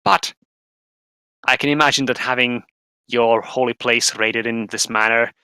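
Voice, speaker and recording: Bright forceful man running a tabletop game. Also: mid-range voice, steady tone, unhurried, clean tone, no room sound. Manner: narrates formally with "shall", mixed with casual asides. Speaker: game master. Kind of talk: narrating a tabletop role-playing game.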